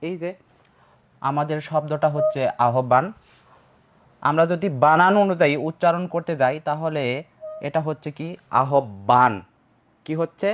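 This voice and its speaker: A man's voice: a little high, fairly even intonation, moderate pace, long pauses. A man teaching Bengali pronunciation in an online lecture over slides. He asks questions and answers them himself, and he repeats key points.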